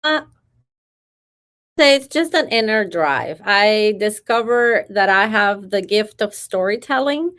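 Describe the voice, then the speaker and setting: A woman's voice: medium pitch, lively intonation, slow pace, a bit bright. A middle-aged woman from Venezuela with a Venezuelan Spanish accent, telling her story earnestly and carefully as an interview guest. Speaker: podcast guest, motivational speaker.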